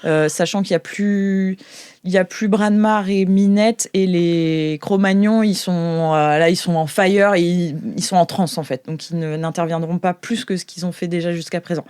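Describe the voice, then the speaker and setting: A woman hosting as game master, improvising tabletop game narration in a halting, amused way. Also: fairly low pitch, fairly even intonation, darkish tone, clean tone, no room sound, clean studio sound.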